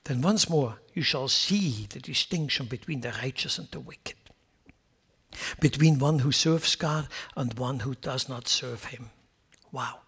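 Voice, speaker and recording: A man's voice: mid-range voice, unhurried, a bit bright, husky. A man preaching a sermon as a pastor, impassioned and repeating words as he builds emphasis.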